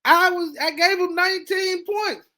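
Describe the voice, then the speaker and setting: Guy doing a sports podcast rant, casual and hyped, goes from low muttering to loud high excited bits. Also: measured pace. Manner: animated, swings between low mutters and excited high bursts. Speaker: podcast host. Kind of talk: casual sports reaction monologue.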